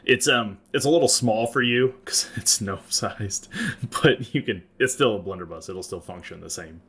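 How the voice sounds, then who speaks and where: A man narrating and refereeing a tabletop role-playing game as game master, conversational and pausing to explain rules. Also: lowish voice, fairly bright tone, breathy edge.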